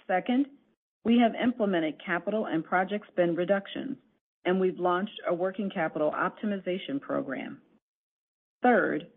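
Exec lady reading prepared corporate remarks, lowish voice, firm and deliberate, phone-call sound. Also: gravelly, slightly rough. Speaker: company executive presenting on an earnings call. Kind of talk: formal scripted corporate presentation. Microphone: conference call line. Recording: narrowband phone conference line.

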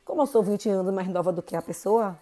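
A woman's voice: medium pitch, fast talker, dark tone, soft background music. Chatty Bahian woman in her forties. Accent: Bahian Portuguese, Salvador. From Brazil. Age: 40s. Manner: chatty, keeps addressing listeners with "gente" and "né". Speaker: podcast host. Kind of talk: casual monologue podcast.

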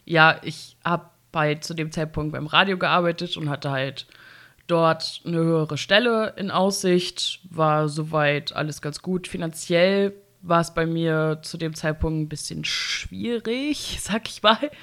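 A woman hosting a casual podcast, her voice a little stuffy from a cold. She talks in loose, easy phrases and laughs often, in a fairly low register. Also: a little slow, a bit bright. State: slightly congested from a cold. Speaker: podcast host.

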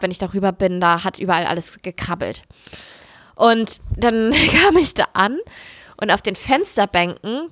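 A woman telling a story in casual chat, animated and dramatic, jumping up into squeals when she relives the fright. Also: medium pitch, no room sound, studio quality.

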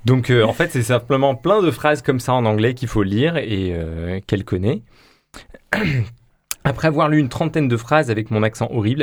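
A man's voice: medium pitch, a little mellow. Joking male podcast columnist. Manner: jokey, self-mocking, laughs often. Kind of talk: casual radio chronicle.

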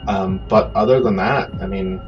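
Male game master, very low pitch, improvised conversational narration, slightly dull recording with music clearly underneath. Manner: conversational, halting scene-setting.

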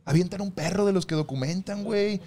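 A man's voice: high voice, fast. A man with a Mexican accent hosting a comedy podcast, telling crude stories in loose, profane banter. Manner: profane, animated storytelling. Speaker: podcast host.

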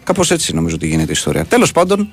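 A man hosting a Greek sports radio show in casual banter, talking with lively ups and downs. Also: soft background music. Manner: animated, jumps up and down in pitch.

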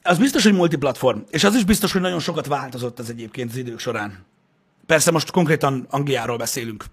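Animated, ranting young man with a gravelly voice. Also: medium pitch. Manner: animated, swearing, ranting, bursts into shouting. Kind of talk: casual chat.

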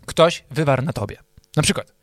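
A man with a slightly high voice talks through an idea in playful steps. He co-hosts a casual chat, and the recording is dry and close with no room sound. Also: animated, normal speed, no echo. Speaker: podcast co-host.

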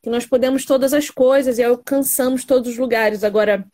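A woman, an interviewer asking slow, reflective questions. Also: a little high, steady tone, dark tone.

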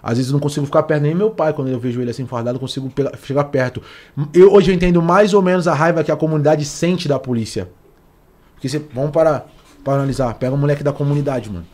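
A young Brazilian man speaks very quickly in a slightly high voice. His Portuguese has a São Paulo accent and is packed with street slang, in the loose style of a casual interview. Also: a little mellow. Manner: slangy, street-style talk full of colloquial tags. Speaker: podcast guest, former police officer. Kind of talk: casual interview chat, telling personal stories.

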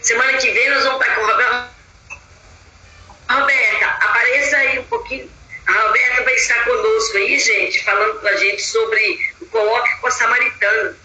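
A woman hosting an online group in a chatty, affectionate way, full of drawn-out fillers, over a video call. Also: a little high, steady tone, bright, forceful tone, reverberant, soft background music, low-quality recording. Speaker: group host.

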